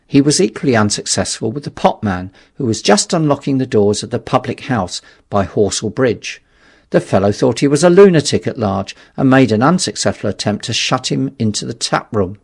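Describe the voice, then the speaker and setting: A man narrating a literary audiobook in a measured, dramatic storytelling manner. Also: mid-range voice, expressive, vocal fry, darkish tone, slightly rough.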